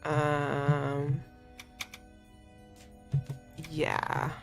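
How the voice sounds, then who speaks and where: A woman's voice: low-pitched, completely flat delivery, extremely slow, vocal fry, faint music behind. A woman playing a visual novel and commenting casually, thinking aloud in a playful, slangy, informal way. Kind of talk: casual let's play commentary with read-aloud game dialogue.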